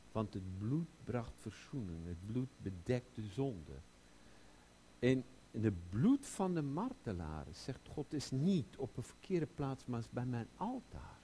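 Slow, animated male preacher. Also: slight background noise. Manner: slow, lively delivery that rises loud and high when quoting scripture. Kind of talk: sermon.

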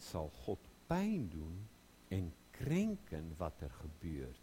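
A man preaching a sermon, slow and emphatic, rising loud and high when he quotes scripture. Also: breathy edge.

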